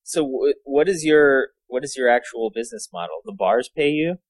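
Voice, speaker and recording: A man with an average-pitched voice co-hosts a casual podcast. He talks haltingly, often pausing in the middle of a thought as he searches for his wording. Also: lively intonation. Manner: halting, pauses mid-thought. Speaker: podcast co-host, game creative director.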